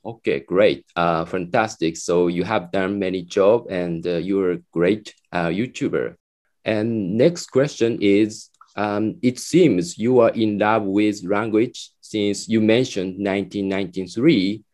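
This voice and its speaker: A man hosting an interview, asking questions in slow, simple phrasing and backchanneling often. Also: on the low side, darkish tone. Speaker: interview host. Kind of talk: casual interview.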